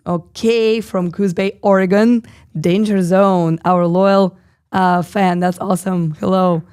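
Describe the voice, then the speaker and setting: A hoarse woman in her thirties with a husky, slightly low voice hosts a live stream. She talks in a chatty, loose way, reads comments aloud and pads her sentences with fillers. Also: a little mellow. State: hoarse, lost voice. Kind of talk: casual live stream chat.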